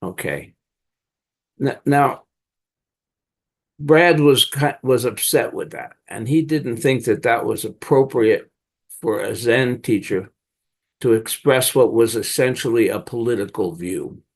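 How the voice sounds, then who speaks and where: An older man, a Zen teacher, leading a dharma talk and group discussion in a halting, searching way with many restarts. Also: mid-range voice.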